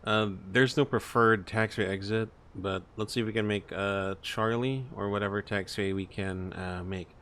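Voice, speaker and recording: A man's voice: on the low side, fairly even intonation, moderate pace, hardly any pauses, fairly bright tone. A man streaming a flight simulator as the captain, thinking aloud through cockpit procedures with hesitant, procedural phrasing. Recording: faint background noise, cockpit ambience.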